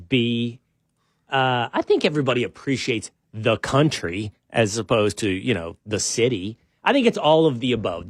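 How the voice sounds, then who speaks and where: Relaxed, rambling male show host. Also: mid-range voice, dry recording, studio quality. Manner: relaxed and rambling, with frequent restarts and self-deprecating asides. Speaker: podcast host. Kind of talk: casual show-opening chat.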